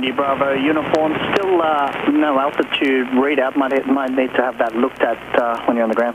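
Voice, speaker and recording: A man at medium pitch and moderate pace, with hardly any pauses, fairly even intonation and very even loudness, over noticeable background noise. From Australia. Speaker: air traffic controller. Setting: aviation radio transmission. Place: plane. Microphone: two way radio.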